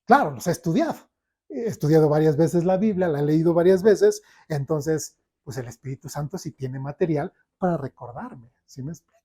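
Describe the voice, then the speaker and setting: A man's voice: a little high, lively intonation, normal speed, dark tone, breathy edge. A man with a Mexican accent preaching a sermon as a pastor in church, emphatic, often checking in with his listeners. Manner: emphatic preaching with frequent rhetorical check-ins.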